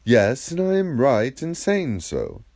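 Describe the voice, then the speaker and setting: A man acts out a vain ancient Greek rhapsode in a philosophical audiobook. The voice is lifted and swings widely, with proud, eager emphasis and a soft, mellow tone. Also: medium pitch, wildly swooping pitch, slow pace, pitched above the performer's own voice, full character voice. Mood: confident agreement. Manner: boastful, emphatic short answers. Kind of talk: audiobook reading of philosophical dialogue.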